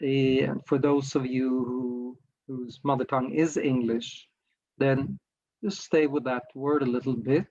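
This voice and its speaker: Man, unhurried delivery, muffled lo-fi sound, halting workshop talk. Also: mid-range voice, fairly even intonation, a little mellow. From Norway. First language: Norwegian. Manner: hesitant, searching for words, many restarts. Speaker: workshop facilitator. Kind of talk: slow reflective workshop talk.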